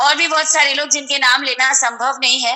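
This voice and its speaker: Amid noticeable background noise, a woman with a high pitch speaks at a fairly slow pace with ordinary pitch variation. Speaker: headmistress and chief guest speaker. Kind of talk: speech at online event. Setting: video call from a car.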